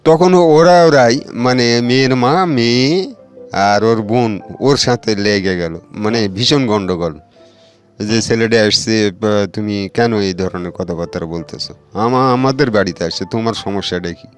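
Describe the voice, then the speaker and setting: A man's voice: fairly low pitch, measured pace, clean tone, soft background music. A middle-aged man with a colloquial Bangladeshi accent, telling his own life story in a casual, meandering way and acting out what others said. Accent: Bangladeshi colloquial Bengali. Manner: rambling storyteller with fillers and restarts, quoting others. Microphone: radio studio or phone-in line.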